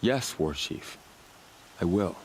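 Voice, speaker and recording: A man's voice: sits low, expressive, slow, darkish tone, slight background noise, heavily acted, poor audio. A man playing an earnest, loyal young tribal warrior in a video game, brave and dutiful. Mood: eager duty. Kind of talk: naturalistic video game acting.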